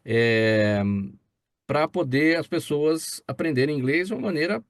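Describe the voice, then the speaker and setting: A man hosting a talk show, asking slow, rambling questions full of fillers. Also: on the high side, animated, no room sound, studio quality. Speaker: host.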